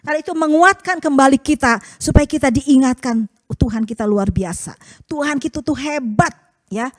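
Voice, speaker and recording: Speaking at a moderate pace in a high-pitched voice, a woman delivers a sermon in a conversational, chatty style. She frequently chuckles, throws in rhetorical tag questions, and performs the prayers and voices she quotes. The audio has no echo.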